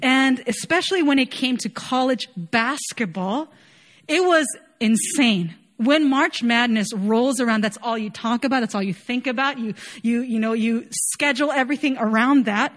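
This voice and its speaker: A young woman raised in Chile preaches in an earnest, conversational way, full of casual fillers. Her voice sits a little on the high side. She talks warmly but plainly, more like a chat than a pulpit speech. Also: normal speed. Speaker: worship leader preaching. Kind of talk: sermon.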